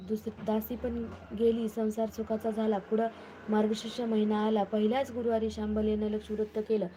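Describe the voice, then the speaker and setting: A woman storyteller reading a devotional folk tale aloud at a steady pace. Her voice is strikingly flat, dark and mellow. She stumbles and restarts now and then. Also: medium pitch, normal speed, slight background noise, rough recording. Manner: steady, plain recitation with small restarts.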